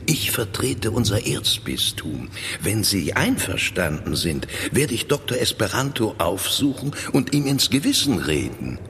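A man's voice: fairly low pitch, very animated, measured pace, fairly bright tone, a little hiss or hum, heavily acted. A man playing a condescending German Catholic priest in a radio play, lecturing and scheming. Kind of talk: radio drama acting.

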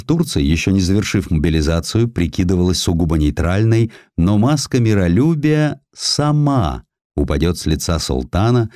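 A man narrating a historical audiobook in an expressive, dramatized storytelling style. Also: low voice, no echo, studio quality.

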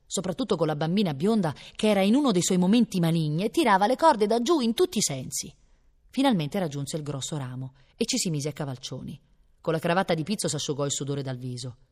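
A woman reads a novel aloud in a low, expressive voice and shifts into each character. A long reverb hangs around her. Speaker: audiobook reader. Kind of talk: literary reading aloud.

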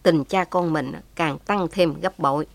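A woman voicing an elderly imprisoned father who speaks in a gentle, steady, fatherly way. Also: deep voice, unhurried, creaky, no echo, voice pushed down.

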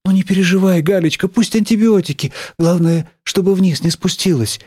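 A man reading an audiobook, voicing a middle-aged woman schoolteacher who is excitable and quick to anger, in a raised, shrill, scolding voice. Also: no room sound, clean studio sound. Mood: fussing. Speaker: teacher.

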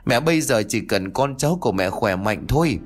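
A man's voice: mid-range voice, expressive, a little fast, soft background music, natural voice. A man voicing a worried old grandmother who heads the family, weary and scolding.

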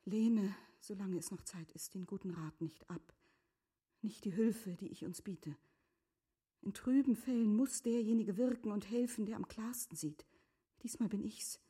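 An actress playing a composed, earnest middle-aged wife in a literary radio drama, speaking formally with a breathy, often hushed delivery. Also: female voice, on the high side, heavily acted. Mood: hushed, urgent.

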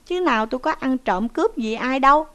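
A woman's voice: high voice, animated, a little fast, bright, forceful tone, voice pushed up. A woman voicing a pleading captured traveler. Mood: explaining. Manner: urgent, pleading. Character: male traveler caught as a thief, pleading.

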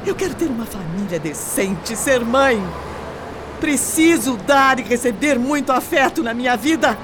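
A woman's voice: a little high, lively intonation, unhurried, background noise. An actress in a radio drama playing a decent young female shop clerk who protests and pleads emphatically. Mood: earnest.

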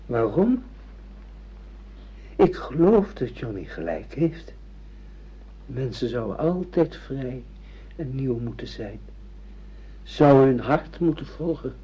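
A man's voice: mid-range voice, very animated, takes it slowly, pauses often, slightly rough, full character voice. An actor in a radio play playing a middle-aged father with memory loss, hesitant, questioning and earnest. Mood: puzzled, earnest. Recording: dull lo-fi radio play recording.

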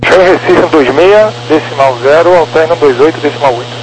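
A man's voice: on the high side, a little fast. A man speaking in clipped air traffic phrases over an aviation radio. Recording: noisy crackly radio transmission with hum.

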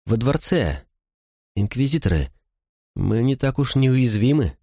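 A man's voice: medium pitch, very animated, a little slow, warm tone, dry recording, studio quality, pitched above the performer's own voice. A man voicing a wary, eager young woman thief in an audiobook, speaking earnestly and a little uncertainly.

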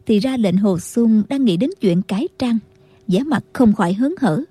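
A woman narrating a martial-arts novel as an audiobook, in a steady storytelling manner. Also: mid-range voice, moderate pace, slightly rough, dry recording.

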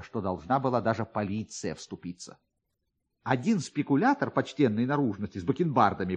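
A man reading a satirical literary story for radio in a theatrical, expressive way, with pointed pauses and emphasis. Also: mid-range voice. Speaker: narrator, actor reading a classic satirical story. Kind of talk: dramatic literary narration for radio.

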